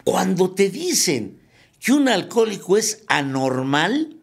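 A man giving a spiritual recovery talk, telling it as a lively story and repeating phrases for emphasis. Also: sits high, slow, vocal fry, husky. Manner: lively storyteller who acts out the quotes he tells. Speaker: speaker at a recovery group meeting.

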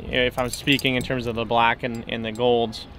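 A man's voice: medium pitch, little pitch movement, normal speed, fairly bright tone, a little hiss or hum. Young man fishing guide on a boat. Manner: explanatory, many fillers and restarts. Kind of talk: casual advice interview. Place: fishing boat on a lake, outdoors.

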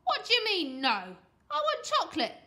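A woman's voice: very high voice, very animated, measured pace, bright, forceful tone, pitched above the performer's own voice, exaggerated voice. A woman voicing a bratty, greedy young boy in a children's storybook, whiny, slangy and demanding. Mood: outraged.

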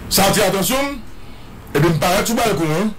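Animated Haitian-accented man recounting events. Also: high voice, quick pace, soft background music. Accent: Haitian French. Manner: dramatic, repetitive, imitates sounds. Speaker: guest commentator. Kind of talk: animated eyewitness account.

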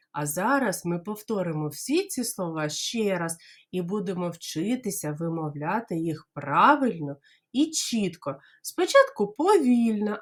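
A Ukrainian woman teaching small children to say words clearly, modelling them slowly syllable by syllable and imitating bird calls. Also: mid-range voice. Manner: slow, exaggerated syllable-by-syllable modelling; playful bird-call imitations. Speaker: kindergarten teacher. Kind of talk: speech lesson for small children.

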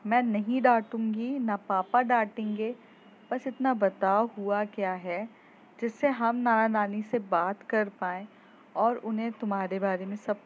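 A woman's voice: mid-range voice, natural voice. A woman voicing a worried, insistent middle-aged mother who scolds and coaxes. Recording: muffled lo-fi with faint noise.

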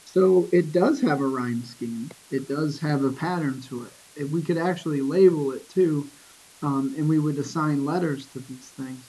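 A man teaching a poetry lesson in a relaxed, casual way, with lots of ums and restarts, reading verse lines slowly. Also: on the high side, breathy edge, low-quality recording. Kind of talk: casual screen-recorded lesson.

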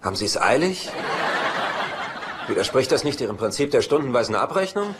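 An actor playing a cocky, sardonic bachelor brother in a dubbed sitcom, with a dry, flippant delivery. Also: male voice, mid-range voice, very animated, brisk, very noisy, close to an everyday voice. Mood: wry. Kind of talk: sitcom dub acting.

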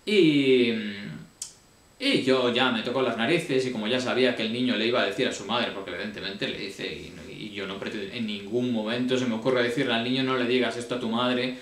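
A man tells his own story in a colloquial, emotional way, full of restarts, sounding deeply upset. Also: brisk, echoey room. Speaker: vlogger. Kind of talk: confessional personal account.

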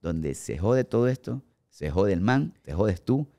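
A man in his forties with an Ecuadorian accent, a guest actor telling animated stories in a podcast studio on a boom mic. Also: measured pace, creaky. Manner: animated storyteller acting out quoted remarks. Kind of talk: casual podcast storytelling. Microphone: studio mic on boom arm, headphones.

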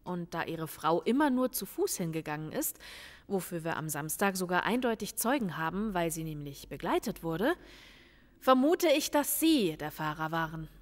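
An actress in a crime radio play as a calm female police lieutenant, questioning in a measured, insistent way. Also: on the low side, big-room sound. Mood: probing, insistent. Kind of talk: audio drama dialogue.

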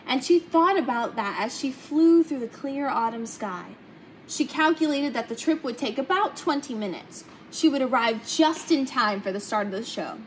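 A young woman reading a children's picture book aloud in an expressive storytelling way. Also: sits high, a little hiss or hum, low-quality recording. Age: young adult. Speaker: storybook reader. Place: indoor hangar-like museum room, seated in open cockpit.

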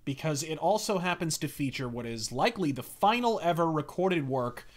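A male host in his thirties introduces a show in a fairly high voice. His delivery is lively and dramatic, leaning hard on key words. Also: moderate pace. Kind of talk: emphatic scripted introduction to camera. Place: small cluttered home office, indoors.

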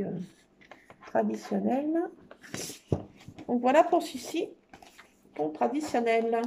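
Slightly high, gravelly and mellow, a woman's voice enthuses over scrapbooking paper in a relaxed show-and-tell. She uses lots of fillers and repeats "trop beau." A faint hiss or hum is audible.

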